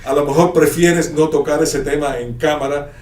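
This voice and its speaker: A man with a Cuban accent, a guest telling anecdotes and jokes in a casual interview, often pausing on fillers. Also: on the high side, steady tone, darkish tone. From Cuba. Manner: anecdotal, hesitant with fillers, joking. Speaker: guest, lawyer. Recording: roomy, distant mic, faint noise.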